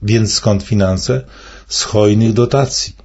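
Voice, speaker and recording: An older man delivering scripted commentary in a measured, declamatory way, posing rhetorical questions. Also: lowish voice, steady tone, darkish tone, husky, lo-fi sound.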